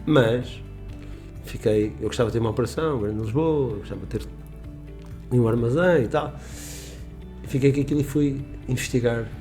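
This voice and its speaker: This middle-aged business owner from Portugal, interviewed on radio, recounts stories with emphasis, rambling, restarting and quoting dialogue. He speaks at medium pitch and a moderate pace with a dark tone and long pauses, over soft background music in the studio.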